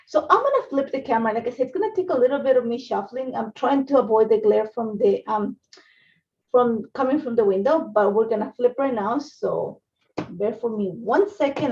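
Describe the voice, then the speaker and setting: A woman's voice: a little high, darkish tone, slight background noise. A middle-aged woman from Ecuador, hosting a casual craft livestream from her home craft room, chatting, rambling and greeting viewers by name. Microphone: phone and laptop livestream setup. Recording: dull lo-fi livestream audio.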